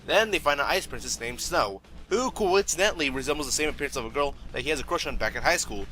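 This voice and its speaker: A man's voice: fairly high pitch, expressive, fast talker, bright, forceful tone, soft background music, low-quality recording. A young man narrating a scripted comedic anime review with sarcastic, joking asides.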